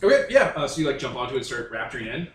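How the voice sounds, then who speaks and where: A man's voice: mid-range voice, big pitch swings, rapid-fire, a little hiss or hum. Roomy-sounding man running a tabletop game. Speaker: game master. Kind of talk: improvised tabletop game narration and banter. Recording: roomy echo, off-mic, music underneath. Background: music.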